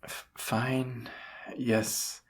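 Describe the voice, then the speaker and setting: A young man playing a flustered, lovestruck incubus in an intimate romantic audio roleplay, speaking haltingly in a breathy, husky voice. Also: mid-range voice, flat delivery. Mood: nervous, confessing. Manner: halting, hesitant delivery with stammers.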